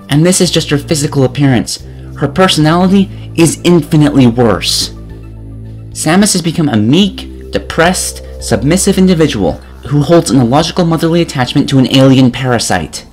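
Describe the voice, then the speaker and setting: Male video game reviewer, fairly high voice with lively intonation, scripted comedic narration, sardonic and exasperated. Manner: exasperated, sarcastic ranting.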